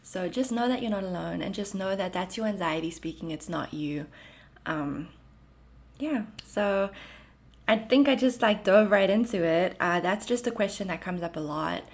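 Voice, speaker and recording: A woman in her thirties from South Africa, with a South African accent blended with Canadian, hosting a solo podcast in a gentle, reassuring and chatty way, full of "like" and "um". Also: mid-range voice, expressive, normal speed. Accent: South African mixed with Canadian. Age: 30s. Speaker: podcast host. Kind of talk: casual solo podcast talk.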